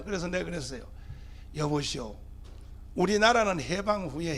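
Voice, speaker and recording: A man's voice: sits high, fairly bright tone. A male pastor, giving an emphatic political rally speech full of rhetorical questions to the crowd. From Gyeongsang (TK) region of South Korea.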